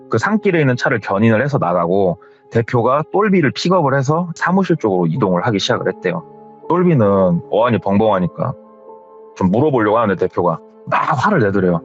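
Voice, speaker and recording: A man retelling a scary story in a casual, lively way, full of acted-out quotes, in a slightly dull recording with faint music behind. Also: on the low side, a little fast. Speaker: horror story narrator.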